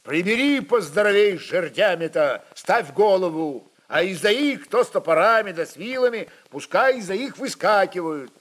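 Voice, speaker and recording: Guy doing a fierce cossack boss yelling blunt orders in a war tale, voice pushed up high. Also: expressive, moderate pace, hardly any pauses. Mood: urgent commanding. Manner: shouted, blunt, commanding. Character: fierce Cossack rebel chieftain bellowing battle orders.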